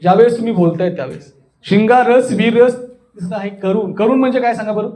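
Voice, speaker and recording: A high-voiced man with a Maharashtrian accent leads an interactive public speaking lesson. He talks in an expressive, theatrical way, leaning on key words and stretching them. He often turns to his learners with short questions to check that they follow. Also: fast talker. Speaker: voice modulation and public speaking coach, anchor. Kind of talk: interactive lesson with spoken demonstrations.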